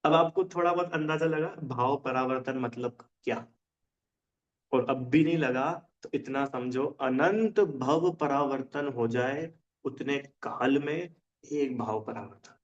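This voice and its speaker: A man with a mid-range voice and measured pace teaches a religion class in casual Hindi, often checking that students understand and using everyday examples. The recording sounds dull and lo-fi.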